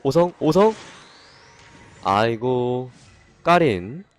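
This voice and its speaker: A man doing casual live-stream commentary on game gacha pulls, excitable, swinging from calm explaining to loud exasperated outbursts. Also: medium pitch, very slow.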